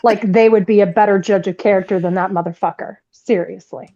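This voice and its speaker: A woman's voice: medium pitch, fairly even intonation, a little fast, dark tone, dull audio. A woman co-hosting casual political banter on a livestream, sardonic and sweary, prone to exaggeration. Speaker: livestream co-host.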